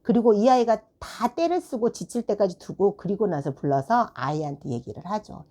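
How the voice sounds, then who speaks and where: A woman's voice: medium pitch, normal speed. A woman who runs a tutoring room, telling a classroom story in casual advice talk and acting out the dialogue. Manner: animated, acts out classroom dialogue.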